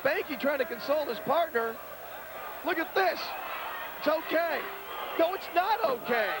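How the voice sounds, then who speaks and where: A man giving excitable play-by-play commentary on a wrestling match, often shouting over the action, heard from a worn VHS tape copy. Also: very high voice, moderate pace, background noise. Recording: worn VHS tape, loud arena crowd. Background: loud cheering wrestling crowd.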